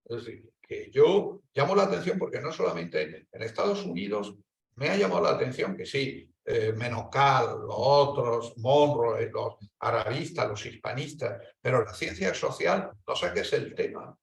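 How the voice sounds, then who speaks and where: A Spanish-accented man on an academic panel, rambling through his argument with frequent restarts and sudden rises in pitch. His voice has a gravelly edge. He is picked up from some distance in an echoey hall. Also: moderate pace. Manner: discursive, hesitant restarts, animated rises. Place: lecture hall.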